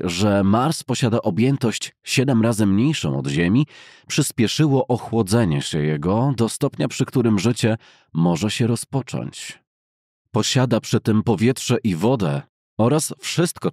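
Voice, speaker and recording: A man reads literary prose as an audiobook narrator, with a low-pitched, husky voice. His delivery is measured and formal, each phrase set out deliberately. The recording is close and dry, as in a studio. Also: darkish tone, no echo. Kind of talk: scripted literary narration of a classic science fiction novel.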